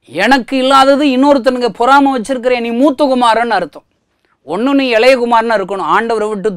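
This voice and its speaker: Over a quiet background, a man talks at an extremely high pitch in a dry sound with no echo. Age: 40s. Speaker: pastor. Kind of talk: sermon. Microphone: lapel.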